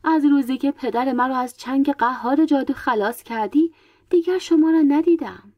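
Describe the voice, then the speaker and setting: A woman's voice: high-pitched, a little mellow, no room sound, natural voice. A woman voicing a scheming witch posing as a princess. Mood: reproachful. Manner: pleading, then mocking and reproachful. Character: wicked female witch disguised as a princess.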